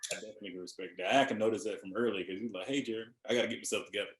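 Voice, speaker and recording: A man's voice: fairly low pitch, fairly even intonation, very fast, roomy sound, a crowd in the background. A man hosting a podcast, asking guests questions in a laid-back, informal way. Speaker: podcast host. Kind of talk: casual interview chat.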